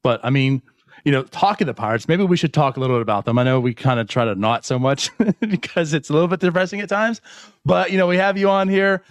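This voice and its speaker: A man's voice: on the high side, quick pace, no echo. A man in his late thirties hosting a casual sports podcast, rambling through points with lots of "like" and restarts. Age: late 30s. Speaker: podcast host.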